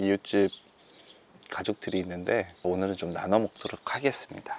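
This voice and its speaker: A man with a very deep, low pitch speaks with fairly even intonation, in a dry sound with no echo and light background noise. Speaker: mukbang video host. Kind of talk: casual vlog chat. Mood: relaxed, amused. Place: open country. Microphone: lapel.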